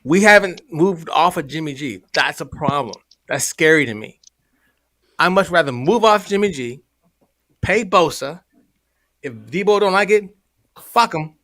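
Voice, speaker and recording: A man's voice: fairly high pitch, lively intonation, measured pace, long pauses, sharp tone, no echo, clean studio sound. A man calling into a sports talk show who rambles, stopping and restarting to finish his point. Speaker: caller. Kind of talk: casual sports chat.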